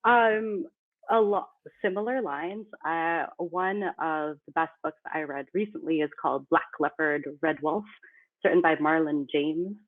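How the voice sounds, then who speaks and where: A woman's voice: low voice, measured pace. A woman from the Philippines, a company CEO, talking casually as a podcast guest in a chatty, self-deprecating way. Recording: tinny phone-like remote line.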